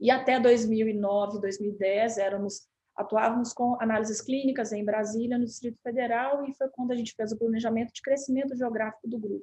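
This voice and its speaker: The voice is dark and mellow, with a Minas Gerais accent. It moves at a fairly quick pace with fairly even intonation. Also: woman. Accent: Minas Gerais accent, still kept. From Minas Gerais, Brazil. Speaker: healthcare company executive. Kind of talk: panel discussion.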